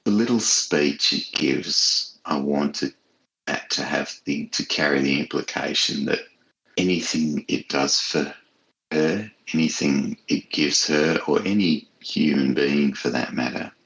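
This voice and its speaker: Male author guest, bottom-register pitch, creaky grain, reflective and halting conversational delivery. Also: fairly bright tone, rough recording. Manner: thoughtful, halting, searches for words. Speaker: horror author being interviewed. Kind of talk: casual, reflective interview talk.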